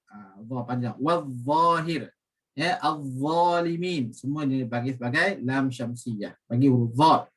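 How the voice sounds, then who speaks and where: A Malaysian man teaching Quran recitation rules, explaining with many fillers and reciting the words slowly and carefully. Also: fairly high pitch, recorded from a distance. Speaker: religious teacher.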